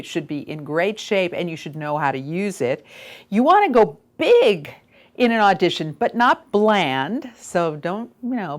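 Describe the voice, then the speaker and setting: A woman giving emphatic, direct instructional advice as a voiceover coach and host. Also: on the low side. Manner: emphatic, stressing key words, direct advice. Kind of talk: instructional video talk to camera.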